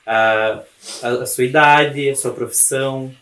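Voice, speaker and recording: A man's voice: medium pitch, fairly even intonation, a little slow, a bit bright. A man working as an interviewer, politely prompting a guest to introduce themselves. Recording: echoey room.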